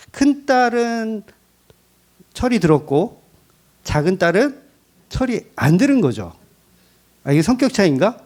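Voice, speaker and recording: A middle-aged man preaching a Sunday sermon as pastor, telling family stories with lively acted-out voices. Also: high voice. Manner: animated storytelling, acts out his daughters' voices. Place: church sanctuary.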